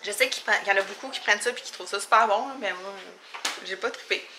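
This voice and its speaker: A young woman with a Québécois French accent, chatting casually in a vlog, often laughing and filling pauses. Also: medium pitch, bright, forceful tone, slight background noise. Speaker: vlogger.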